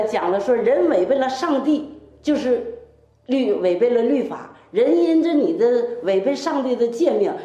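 An older woman from the church shares a heartfelt, rambling testimony full of quoted speech, in a slightly high, warm voice. The recording is in an echoey room with faint music behind it.

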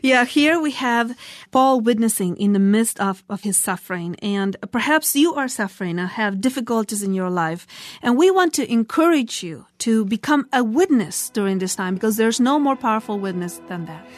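A woman co-hosting a Bible study discussion, thoughtful and a little hesitant, often pausing with fillers as she reads passages aloud. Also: a little high, lively intonation, dry recording, clean studio sound. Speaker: co-host.

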